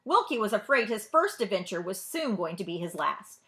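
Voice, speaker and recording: Librarian lady doing a read aloud for kids, super lively pitch, bright voice, chats to the listeners. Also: normal speed. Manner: expressive, addresses young listeners with questions. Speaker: librarian storyteller. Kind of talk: children's read-aloud narration.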